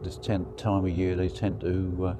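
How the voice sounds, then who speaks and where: A man with a croaky voice, rambling through a casual fishing diary on a lake bank. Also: low voice, normal speed. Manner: relaxed, rambling, thinking aloud. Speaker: angler vlogger. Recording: outdoor recording with clear background noise.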